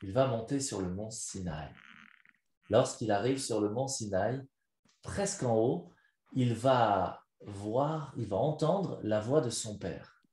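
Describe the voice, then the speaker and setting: A man, a rabbi, giving a live lesson as a story, animated and quizzing his listeners. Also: on the low side, slow. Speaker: rabbi teaching a class. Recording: echoey room.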